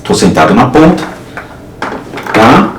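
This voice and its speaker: A man, a paranormal vlogger, calling out loudly to the camera in a closed space with a cave-like echo. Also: mid-range voice, very animated, slow. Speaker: paranormal investigation YouTuber. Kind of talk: casual vlog talk. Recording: echoey closed space from far off, noisy.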